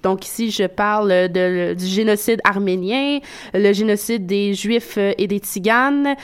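A woman's voice: medium pitch, measured pace, clear, resonant tone. Woman radio columnist explaining. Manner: conversational, explaining facts step by step.

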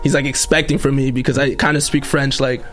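A man chatting as a guest on a podcast about his events, relaxed and easygoing. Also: medium pitch, fairly quick, faint music behind. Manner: relaxed, easygoing, laughs often. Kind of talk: casual chat.

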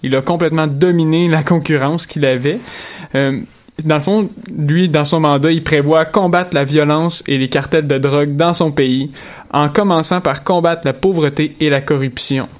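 A young man presenting a news item on the radio, halting and full of fillers and restarts. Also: on the high side, fairly even intonation. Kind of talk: radio news recap chat.

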